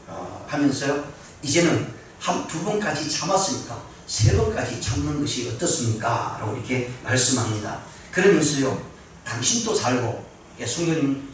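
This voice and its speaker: A male pastor preaching a sermon in a church, telling stories and then building to emphatic preaching. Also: mid-range voice. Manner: storytelling, rising to emphatic preaching. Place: church sanctuary. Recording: very echoey hall, distant mic, faint noise.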